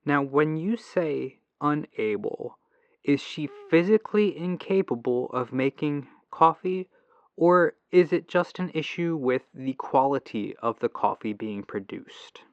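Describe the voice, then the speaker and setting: A man playing a patient, earnest tech-support agent in a gentle, reassuring ASMR phone roleplay, through a lo-fi telephone filter. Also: fairly high pitch, lively intonation, a little slow, dry recording. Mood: helpful, calm. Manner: gentle, reassuring, apologetic, musing to himself. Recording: lo-fi muffled telephone sound.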